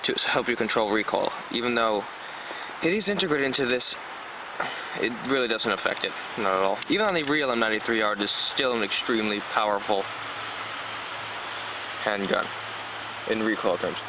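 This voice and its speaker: A man's voice: on the low side, animated, brisk, long pauses. A man giving a casual, enthusiastic hands-on product review in an informal, rambling way. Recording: dull lo-fi sound, loud road noise. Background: traffic, passing buses and cars.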